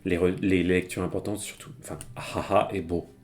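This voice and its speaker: A man's voice: sits low, little pitch movement, moderate pace. A man giving a casual, chatty live-streamed language lesson, with many fillers and frequent laughs as he explains. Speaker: Japanese teacher. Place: home streaming setup.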